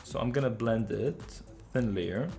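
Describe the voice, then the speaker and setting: A man working as a makeup artist, talking through a makeup routine in a relaxed, chatty way and correcting himself now and then. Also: mid-range voice, vocal fry, faint music behind. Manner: relaxed, chatty, with quick self-corrections and light laughs.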